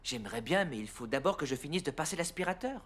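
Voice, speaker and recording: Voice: mid-range voice, animated, fast, close to an everyday voice. An actor voicing an obliging, playful parent in a children's cartoon. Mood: busy, friendly.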